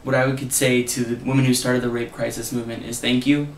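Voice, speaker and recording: Gravelly-voiced man in his twenties. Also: medium pitch, little pitch movement, brisk, reverberant, slight background noise, low-quality recording. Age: 20s. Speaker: interviewee. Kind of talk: short video interview.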